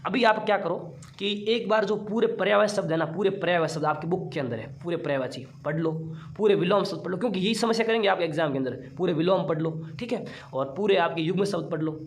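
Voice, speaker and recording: A man runs an online exam-prep class, chatty and teasing with his students. His voice sits a little high. He has been unwell. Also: fast talker. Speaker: teacher.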